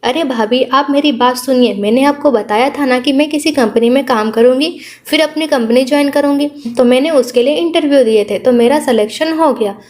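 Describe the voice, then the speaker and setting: Audiobook: chirpy, excited young sister, read by a woman, high voice. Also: moderate pace, natural voice.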